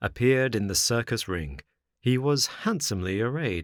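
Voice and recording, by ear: Someone reads aloud in a natural voice with lively intonation against a quiet background.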